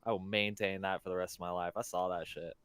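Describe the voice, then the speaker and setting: Smooth-voiced wisecracking young man. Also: low-pitched, level tone, quick pace, a bit bright, no room sound. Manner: laid-back, profane, wisecracking. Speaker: podcast co-host. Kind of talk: casual chat.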